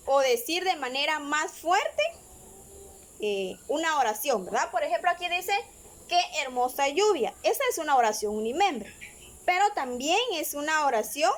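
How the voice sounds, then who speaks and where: A woman teaching a grammar lesson, explaining patiently step by step and often checking in with her listeners. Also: sits high. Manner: frequent filler pauses.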